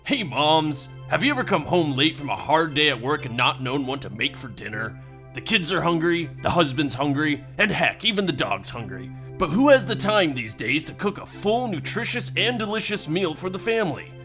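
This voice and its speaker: A corny advertising pitchman, acted by a man, gushing and salesy. The voice is bright and on the high side, with music behind the parody commercial. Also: sing-song, normal speed. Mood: salesy enthusiasm. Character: peppy, corny mock-commercial pitchman selling to moms.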